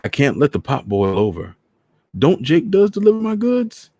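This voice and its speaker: A man's voice: fairly high pitch, huge pitch swings, normal speed, dark tone, slightly rough, dry recording, voice pushed up, exaggerated voice. A man voicing a lonely, cheerful old man from Trinidad, speaking in a lilting island dialect with a Trinidadian accent. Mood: hurried.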